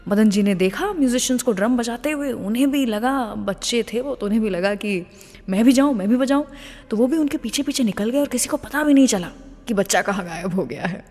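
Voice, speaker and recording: A woman's voice: on the high side, animated, a little fast, darkish tone, in a large hall. A woman hosting a radio show, telling stories in a chatty, conversational way. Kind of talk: storytelling radio narration.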